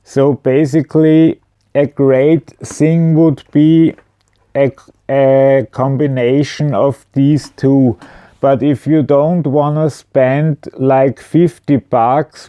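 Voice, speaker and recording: A man's voice: medium pitch, warm tone, smooth, no room sound, dull audio. A man giving an informal product explanation at home, speaking in a hesitant, matter-of-fact way. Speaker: video presenter. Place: indoors at home.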